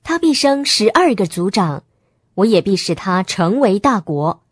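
A woman voicing God as an all-powerful male deity, speaking in solemn, measured declarations in a scripture reading. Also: mid-range voice, very animated, husky, no room sound, studio quality.

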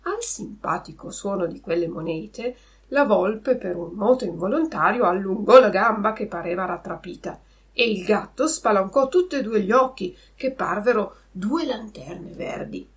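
A woman's voice: medium pitch, animated, moderate pace. Woman reading a storybook aloud. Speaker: podcast host reading a children's classic. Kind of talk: storybook read-aloud narration.

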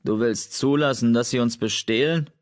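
Guy doing a proud warrior tomcat, low and growly. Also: little pitch movement, brisk, vocal fry, a little mellow. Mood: determined. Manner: growling, determined. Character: proud male warrior cat, a father.

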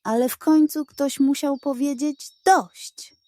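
A woman's voice: high voice, steady tone, takes it slowly, warm tone, dry recording, voice pushed up. A woman voicing a grave, reconciled tribal war chief in a children's bedtime story. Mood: reflective. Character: two gruff old-rival male tribal chiefs, weary, reconciled.

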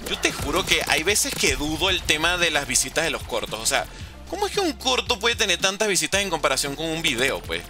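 A young man doing animated gameplay commentary, talking straight to his viewers. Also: fairly high pitch, fairly quick. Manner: animated, excitable, talks to viewers. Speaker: gaming YouTuber. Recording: game music behind voice.

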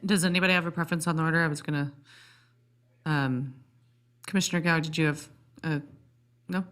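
A woman with a low voice chairs a public meeting. She talks informally and procedurally, checking with the others and feeling her way toward a decision. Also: fairly even intonation, fairly quick, fairly bright tone. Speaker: planning commission meeting chair.

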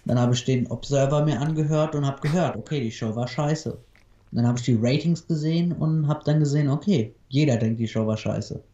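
A man's voice: medium pitch, brisk, mellow, muffled recording, a little hiss or hum. A man co-hosting a casual podcast, blunt and dismissive, swearing freely. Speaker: podcast co-host.

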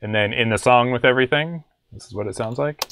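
A young adult man explains music production in a casual, easygoing screen-share tutorial recorded in a small home studio room. His mid-range voice carries vocal fry and a quick pace as he chats through the steps.

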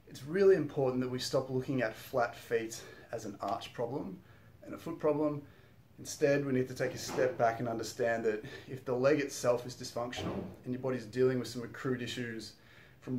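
Guy coaching an exercise, chatty with lots of um and you know, roomy echo. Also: a little mellow. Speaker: health educator. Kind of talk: instructional video talk. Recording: echoey room with faint rumble.

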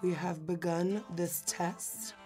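A young woman with a hoarse, recovering voice and a Dutch accent, chatting dramatically through a makeup tutorial in a studio. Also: fairly low pitch, fairly even intonation, slow, dark tone, soft background music. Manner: bubbly, dramatic, self-mocking. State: hoarse from illness. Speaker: beauty vlogger. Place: indoor studio set.

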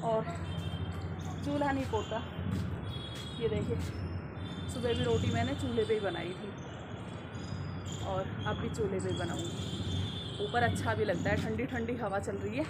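A woman's voice: fairly high pitch, measured pace, long pauses, roomy sound, very noisy. A woman chatting casually to her viewers while she cooks at home, talking through each step with many fillers. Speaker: vlogger. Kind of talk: casual cooking vlog narration. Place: home kitchen and rooftop.

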